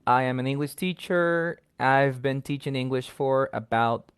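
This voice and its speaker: Smooth-voiced Guatemalan man in his twenties. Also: mid-range voice, measured pace, dry recording, clean studio sound. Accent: Guatemalan Spanish. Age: 20s. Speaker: English teacher, guest. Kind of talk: casual live-stream chat.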